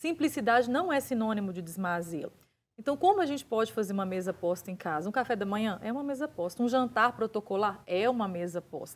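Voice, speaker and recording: Her pitch fairly high and swinging very widely, a woman speaks at a fairly quick pace. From Brazil, Minas Gerais (Governador Valadares); Minas Gerais, Brazil. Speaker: table decor entrepreneur; guest. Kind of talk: TV interview, explaining tips. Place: studio.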